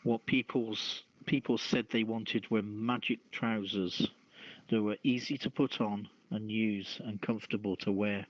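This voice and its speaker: A man hosting a news podcast, reading stories aloud in a halting way with stumbles. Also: on the low side, dry recording. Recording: dull lo-fi, dry close sound.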